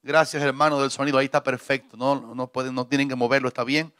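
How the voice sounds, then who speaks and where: Middle-aged pastor, bright crisp preaching voice, warm jokes with the flock, close dry mic. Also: male voice, mid-range voice, level tone, fast talker, dry recording. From Cuba. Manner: jovial, preacherly, joking with congregation. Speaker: visiting pastor. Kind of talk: sermon. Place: church. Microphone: handheld mic.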